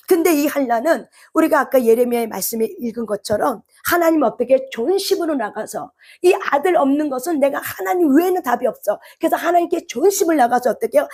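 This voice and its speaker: Impassioned Korean woman preaching a sermon. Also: high voice. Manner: impassioned, rises to shouted cries when voicing prayer; asks the congregation rhetorical questions.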